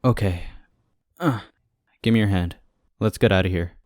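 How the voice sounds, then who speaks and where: A man's voice: sits low, moderate pace, a little mellow, no room sound, clean studio sound, lightly acted. A young man playing a devoted, panicky boyfriend with casual, sarcastic asides in an audio roleplay. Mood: concerned, bewildered. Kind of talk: ASMR audio roleplay acting.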